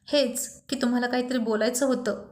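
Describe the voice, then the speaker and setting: A woman's voice: fairly high pitch, steady tone, a little fast, a little mellow, roomy sound, close to an everyday voice. Woman reading as a flustered young man. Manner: stammering, self-doubting.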